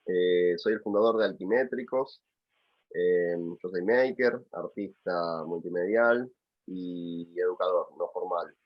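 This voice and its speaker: A man with a Buenos Aires accent introducing himself as a panel guest in a relaxed, measured way. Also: low-pitched. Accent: Argentine, Buenos Aires. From Buenos Aires, Argentina. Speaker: panel guest, maker and educator. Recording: dull lo-fi audio.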